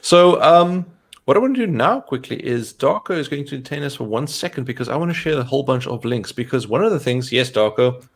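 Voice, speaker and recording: A man's voice: medium pitch, lively intonation, a little fast. A man co-hosting a live cloud question-and-answer stream in casual chat, talking with lots of fillers. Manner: chatty, frequent fillers.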